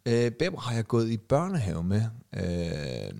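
A man co-hosting a casual podcast and telling a story with plenty of laughter. His voice is gravelly and his pitch swings widely as he gets animated. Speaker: podcast co-host. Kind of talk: casual chat.

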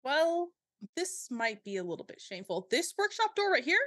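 A woman's voice: high voice, very animated, normal speed, no room sound, studio quality. A woman playing a tabletop role-playing game, playful and giggly as she describes characters. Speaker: player. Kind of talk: casual tabletop play.

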